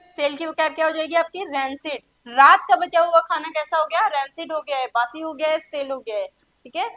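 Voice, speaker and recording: High-voiced Indian woman teaching English. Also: fairly quick, sharp tone. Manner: asks the class questions and answers them herself. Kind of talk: exam-prep lesson.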